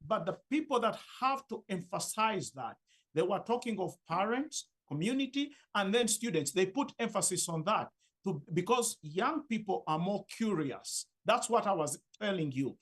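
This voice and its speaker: Husky, lively high-voiced man arguing. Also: moderate pace. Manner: emphatic, persuasive. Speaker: panelist. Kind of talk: panel discussion.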